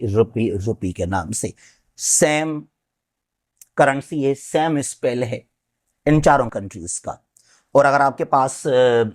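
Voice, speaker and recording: Slow, lively-pitched male teacher. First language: Sindhi. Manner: repeats names, checks in with "theek hai ji". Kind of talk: geography lesson at a map.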